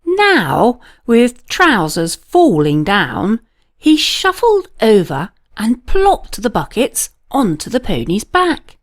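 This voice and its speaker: A woman narrating a children's story in a dramatic read-aloud style with emphatic pauses. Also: fairly high pitch, wildly swooping pitch, no room sound, clean studio sound.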